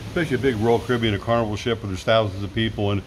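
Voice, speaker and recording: A middle-aged man in casual conversation, telling stories eagerly and agreeing readily, recorded in a room with a steady air-conditioner hum. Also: on the low side. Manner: enthusiastic storyteller, quick and affirming. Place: room in the Philippines.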